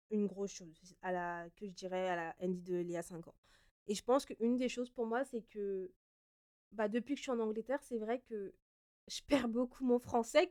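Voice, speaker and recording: A young woman from France hosting her own podcast, answering listener questions in a relaxed, chatty way with frequent fillers and self-corrections. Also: mid-range voice. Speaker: podcast host. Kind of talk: casual solo Q&A podcast.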